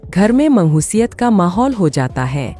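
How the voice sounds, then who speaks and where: Low, lively woman narrating a cartoon story. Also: a little slow, faint music behind.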